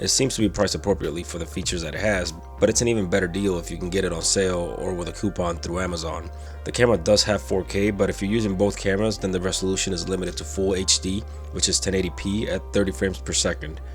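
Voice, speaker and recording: A man with a very deep, low pitch at a very fast pace, ordinary pitch variation, and music in the background. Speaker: product reviewer. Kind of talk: product review narration.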